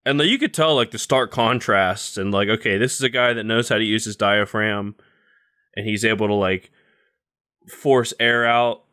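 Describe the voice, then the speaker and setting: A man's voice: on the low side, moderate pace, pushed and bright, smooth. Blunt, casual young man. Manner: blunt, heavy use of "like", swears freely. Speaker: podcast co-host. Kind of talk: casual chat, opinionated music review.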